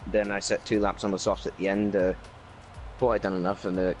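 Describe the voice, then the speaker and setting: A Welsh man talking through his race as a league driver in a casual interview, rambling with many fillers and speeding up when excited. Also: deep voice, brisk, soft background music, rough recording. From Wales.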